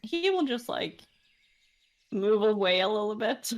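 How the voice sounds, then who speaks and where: A woman's voice: medium pitch, animated, measured pace. A woman player in a tabletop game, casually describing what her character does.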